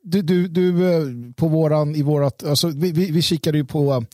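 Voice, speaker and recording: A man hosting a casual political discussion, talking in a halting way with many restarts and repeated words. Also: on the high side, dark tone, no echo, studio quality. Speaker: host.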